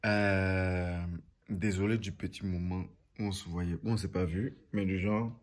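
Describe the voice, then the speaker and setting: A man's voice: deep voice, fairly even intonation, a little slow. A young man chatting casually to viewers as a vlogger, rambling and repeating phrases for emphasis. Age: young adult.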